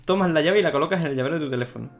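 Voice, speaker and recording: A man's voice: a little high, rapid-fire, faint music behind. A man from Spain with a Spanish accent, talking through a video game as he plays and reacting to it aloud. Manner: chatty, reacting out loud to the game. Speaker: gaming youtuber. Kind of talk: let's play commentary.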